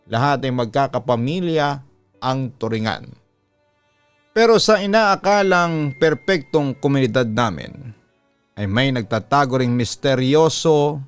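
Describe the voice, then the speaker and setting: Reading out a letter as the host of a scripted horror tale told in the first person, a Filipino-accented man narrates in a clean, medium-pitched voice. Music plays in the background.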